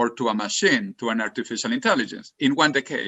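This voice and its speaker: A man with a Spanish accent. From Venezuela. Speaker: futurist and author. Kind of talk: interview.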